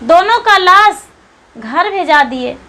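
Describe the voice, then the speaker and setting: A woman tells a Shiva devotional story at an unhurried pace. Her voice is very high and bright, and she often says phrases twice in an earnest way. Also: animated. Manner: repetitive, earnest retelling with repeated phrases.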